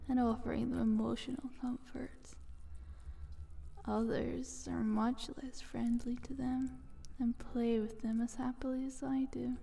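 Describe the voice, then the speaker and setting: A woman playing a calm, condescending, playfully ominous eldritch monster in a soft, breathy whispered ASMR roleplay, speaking slowly and coaxingly. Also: on the high side, a little hiss or hum. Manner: slow, deliberate, coaxing.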